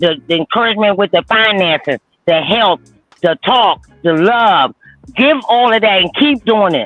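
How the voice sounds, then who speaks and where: Over music in the background, a woman with a medium-pitched voice speaks at a moderate pace in an animated tone, her intonation lively and her loudness very even. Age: 60s. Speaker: panel guest on a live talk stream. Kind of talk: casual chat.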